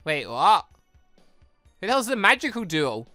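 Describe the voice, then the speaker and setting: Animated, bright-voiced woman playing a game. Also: medium pitch, unhurried, dry recording, faint music behind. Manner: rambling, thinks aloud, animated reactions. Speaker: gaming channel host. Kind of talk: casual let's play commentary, reading game dialogue aloud.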